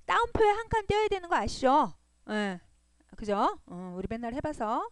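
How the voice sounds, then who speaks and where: A woman's voice: high voice, very animated, moderate pace, no room sound. A woman teaching a web design lesson over a screen recording, patient and repetitive, often checking in with her listeners. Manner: patient, repeats points and checks in with "그죠?". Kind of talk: screen-recorded coding tutorial.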